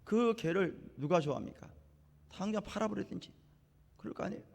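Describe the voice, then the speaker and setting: A man preaches a Sunday sermon in a church sanctuary, his voice riding high and swooping up and down with lively emphasis. The words carry a long reverb through the hall. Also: a little fast, gravelly. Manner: animated preaching, acting out biblical dialogue with rising emphasis. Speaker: pastor.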